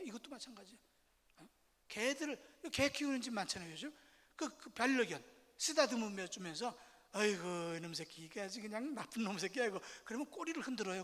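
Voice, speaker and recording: A middle-aged man gives a church lecture on family life, his pitch leaping up and down as he talks. He acts out everyday phrases with big, exaggerated intonation. His voice rings through a reverberant church hall. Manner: lively, acts out quoted lines with exaggerated intonation. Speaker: guest lecturer, professor. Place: church sanctuary.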